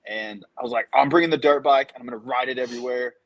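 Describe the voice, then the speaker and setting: A man's voice: mid-range voice, fast talker, rough recording. A man, chatting as a podcast guest and telling stories in a laid-back way. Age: 30s. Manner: laid-back storytelling, frequent laughs. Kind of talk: casual chat.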